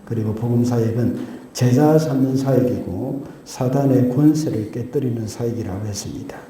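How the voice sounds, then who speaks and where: Dark-voiced male pastor preaching in an echoey church. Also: medium pitch, slight background noise. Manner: measured preaching, frequent affirming interjections. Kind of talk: sermon. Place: church sanctuary.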